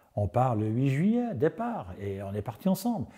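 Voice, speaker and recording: A dark, mellow, somewhat breathy voice speaks at a fairly slow pace. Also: man. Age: 80s+. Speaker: former long-distance traveler. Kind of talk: interview testimony.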